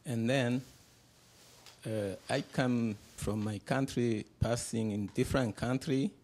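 A middle-aged man from Burundi introducing himself as a panel guest in a classroom, speaking haltingly with many pauses into a handheld mic. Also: medium pitch, fairly even intonation, darkish tone. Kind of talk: personal introduction.

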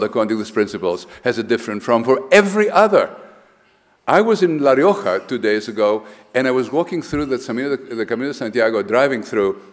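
An older man from Greece giving an emphatic architecture lecture at a lectern, often restarting and repeating words. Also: medium pitch. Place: large lecture hall, standing at a lectern. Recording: lecture hall with long reverb.

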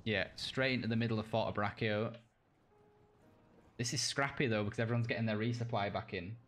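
A young British man casting a live video game match, reacting quickly and cracking jokes between calls. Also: lowish voice, steady tone, a bit bright. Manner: quick reactive play-by-play, jokey asides. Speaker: caster. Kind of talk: live esports play-by-play commentary.

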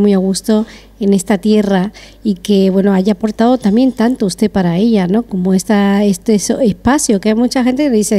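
A woman's voice: mid-range voice, dark tone. A middle-aged woman hosting a TV interview, speaking in an effusive, complimentary way into a handheld mic. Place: decorated restaurant patio.

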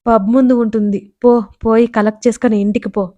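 Storybook figure: woman reading a bossy young male lover, stern and blunt, slightly high, mellow voice. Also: fairly even intonation, a little fast, lo-fi sound, natural voice.

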